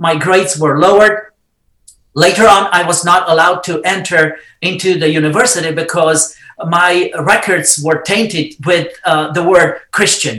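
This man speaks with a Romanian accent at a high pitch. His tone is bright and sharp. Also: moderate pace. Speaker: immigration lawyer and former pastor. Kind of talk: personal testimony in interview. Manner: enthusiastic.

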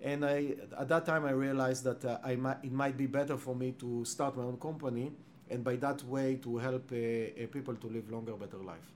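Over noticeable background noise, a man with an Israeli accent speaks fairly quickly at a medium pitch with fairly even intonation. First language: Hebrew. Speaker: scientist and company founder. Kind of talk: interview. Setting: office. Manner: halting.

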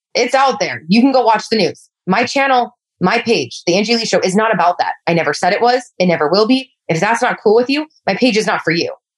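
A normal speaking voice at a fairly quick pace, with lively intonation, very even loudness and hardly any pauses. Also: woman, fairly high pitch for a woman. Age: 30s. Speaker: podcaster and entrepreneur. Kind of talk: casual chat.

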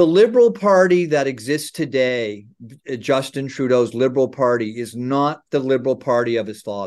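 With a Canadian accent and an unremarkable speaking voice, a man talks at a moderate pace using lively intonation. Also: medium pitch for a man. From Ontario, Canada. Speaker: market strategist. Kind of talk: interview.

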